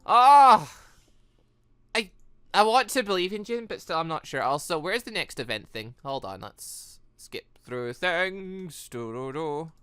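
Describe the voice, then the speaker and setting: Animated, bright-voiced man rambling over a game. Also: on the high side, a little slow, smooth, no room sound. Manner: rambling, animated, stammering asides. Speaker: gaming video host. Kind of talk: casual game playthrough commentary, reading dialogue aloud.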